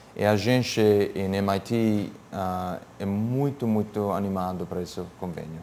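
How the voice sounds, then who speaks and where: Fairly low-pitched man with a non-native accent, dark, mellow tone, fairly even intonation, fairly slow pace. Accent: foreign accent in Portuguese. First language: not Portuguese (speaking Portuguese). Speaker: visiting professor from a US university. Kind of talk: TV interview. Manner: halting, many fillers.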